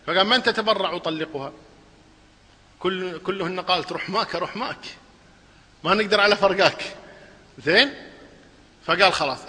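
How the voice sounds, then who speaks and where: A man's voice: on the high side, big-room sound. A man teaching a religious lesson, explaining a text and asking his class questions that he then answers himself. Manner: lively, asks the class questions and answers them. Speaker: Islamic scholar teaching a lesson.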